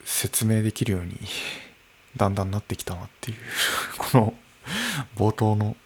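A man in his early thirties talking alone into a microphone in his room, slow and musing, with soft laughs. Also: lowish voice, steady tone, husky. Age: early 30s. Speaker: podcast host. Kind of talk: unscripted solo podcast talk. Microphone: podcast microphone.

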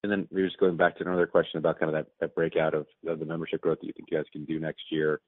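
A man's voice: very deep voice, level tone, rapid-fire, no echo. A man asking questions as a financial analyst on an earnings call, in a conversational, roundabout way. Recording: dry, narrow telephone line.

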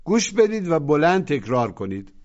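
A man's voice: a little high, sing-song, a little mellow. A man teaching a language lesson, patiently prompting listeners to repeat after him. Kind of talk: instructional narration. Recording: muffled lo-fi audio.

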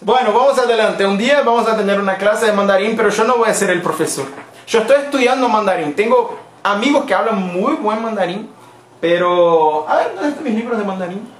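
A man's voice: high-pitched, a little fast, roomy sound, slight background noise. A Brazilian man whose first language is Portuguese, hosting a playful live-stream language lesson and switching between languages.

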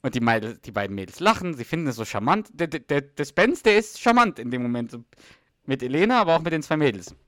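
A man co-hosting a podcast in casual chat, retelling scenes in an animated way and acting out quoted lines. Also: a little high, fast, dry recording, studio quality. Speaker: podcast co-host.

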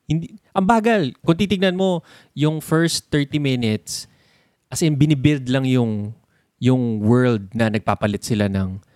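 A young Filipino man talks casually about movies and mixes English into his speech. His pitch sits in the middle, and he explains eagerly with vivid examples. The recording is dry and close to the mic, with no room sound. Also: measured pace, darkish tone, no room sound. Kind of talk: casual chat about films.

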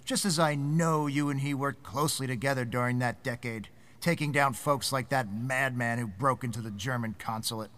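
A man's voice: medium pitch, normal speed, few pauses, fairly bright tone, close to an everyday voice. An actor playing a pompous, testy council chairman, officious and formal, in a 1940s-style radio drama. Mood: stern, accusing.

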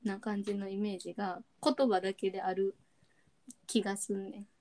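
A woman's voice: medium pitch, flat delivery, a little fast, dark tone. A young woman with a Kansai accent, chatting casually and asking questions on a podcast. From Osaka, Japan. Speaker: podcast co-host. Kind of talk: casual chat.

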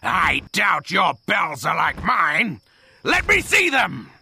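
A woman voicing a gruff, boastful male wolf demon in a storybook reading, slow and given to shouting. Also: fairly low pitch, wildly swooping pitch, slight background noise, heavily acted.

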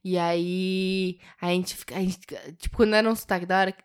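A woman's voice: on the low side, steady tone, brisk, clean tone. A young woman, co-hosting a podcast in casual, slangy chat and laughing often. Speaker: podcast co-host.

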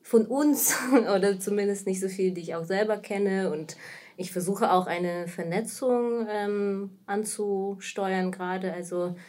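A woman's voice: mid-range voice, measured pace, darkish tone. A woman in her thirties from Kazakhstan, a native Russian speaker, talks in German with a Russian accent in a casual interview as a guest. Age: 30s. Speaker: podcast guest, anti-racism activist and trainer.

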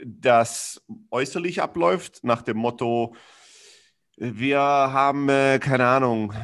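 A man's voice: mid-range voice, fairly bright tone. A man talking reflectively about his feelings in a conversation, searching for words with many fillers and restarts, earnest and frank, dropping blunt slang.

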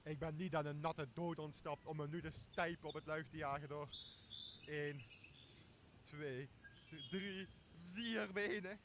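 A young man plays a tipsy, bossy castaway in a radio play. His voice is high for a man and blusters coarsely, with clear outdoor nature sounds behind it. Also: fairly even intonation, measured pace, noisy background, lightly acted. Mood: startled, blustering. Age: young adult. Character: boozy, blustering male castaway, greedy and bossy.

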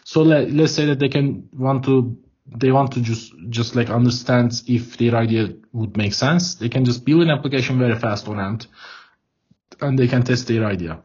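A man's voice: medium pitch, moderate pace, darkish tone, breathy edge. A man from Turkey with a Turkish accent, answering interview questions over a video call, hesitant and repeating words as he thinks. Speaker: guest, product head of a developer tool startup. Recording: dull lo-fi call audio.

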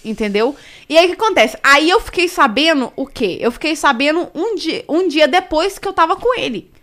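A woman's voice: high voice, normal speed. A young woman telling a personal story as a podcast guest, swearing freely and acting out what people said. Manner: animated, swears freely, acts out quoted speech. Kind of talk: casual storytelling.

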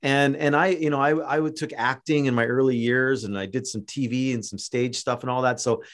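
A Canadian man hosts a podcast, chatting casually and encouragingly with a guest in a brisk, steady, medium-pitched voice. His speech is full of fillers and restarts, typical of a relaxed interview.

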